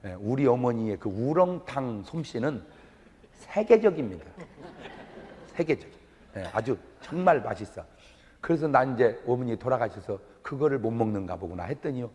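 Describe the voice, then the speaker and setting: Animated preacher in an echoing hall. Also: male voice, mid-range voice. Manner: lively preaching, call-and-response questions, bursts of loud exclamation; folksy humorous storytelling. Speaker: pastor. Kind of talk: sermon. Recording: long reverb of a large hall.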